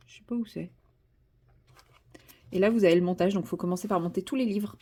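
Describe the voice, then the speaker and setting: A woman chatting casually to her viewers from home, her voice mellow and relaxed. She talks in loose, hesitant runs full of fillers and restarts, warming into enthusiasm as she unpacks a craft kit. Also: mid-range voice, brisk. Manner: chatty, hesitant with many fillers, self-correcting. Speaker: vlogger. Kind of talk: casual vlog chat.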